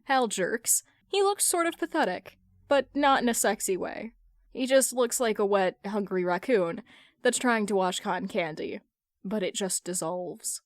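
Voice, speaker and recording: A woman reading fan fiction aloud in an expressive, colloquial storytelling style. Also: mid-range voice, measured pace, no echo, studio quality.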